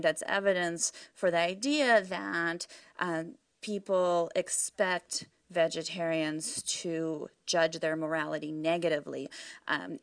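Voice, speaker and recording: A woman's voice: low voice, vocal fry, fairly bright tone, no room sound. A woman researcher giving conversational, explanatory interview answers, informal and peppered with "you know" and "right".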